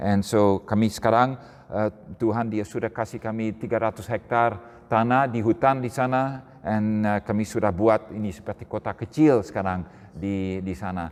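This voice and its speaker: In an English accent, a man speaks at a moderate pace with a fairly low pitch and fairly even intonation. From Australia and the Netherlands. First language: English (speaking Indonesian). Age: old. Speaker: missionary. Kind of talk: testimony. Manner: halting.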